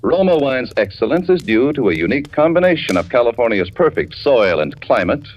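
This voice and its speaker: A man reading a radio commercial in a smooth, persuasive, enthusiastic 1940s announcer style. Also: mid-range voice, sing-song, brisk, darkish tone, slight background noise. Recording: dull old radio recording.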